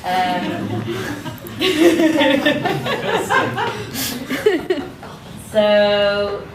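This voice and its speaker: Woman doing a casual gallery intro, bit hesitant, distant mic, echo and clear background noise. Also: low-pitched. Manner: relaxed, conversational, hesitant. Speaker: exhibition tour host. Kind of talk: informal public talk. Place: indoor gallery space. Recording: echoey room, distant mic, noisy.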